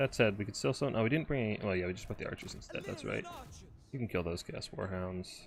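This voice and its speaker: Ordinary pitch variation in a fairly low male voice. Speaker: video game streamer. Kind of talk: live gameplay commentary. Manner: soft-spoken.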